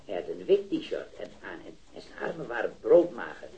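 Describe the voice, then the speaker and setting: A man playing an earnest, hesitant witness in a radio drama, recounting things carefully and haltingly. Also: on the low side, very animated, mellow, highs cut off. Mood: recalling carefully.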